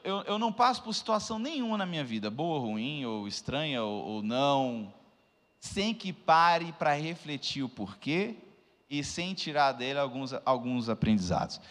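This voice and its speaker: Man, 30s, pastor, sermon testimony, hushed to shouting, higher-pitched, long church reverb. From Brazil. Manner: emotional storytelling, swings from hushed to shouting. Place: church hall.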